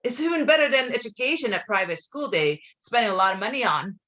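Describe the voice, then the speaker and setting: A woman's voice: a little high, lively intonation, a little fast, pushed and bright. A woman hosting a casual interview, enthusiastic and full of wonder, filling her speech with "you know". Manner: frequent "you know" fillers. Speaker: interview host.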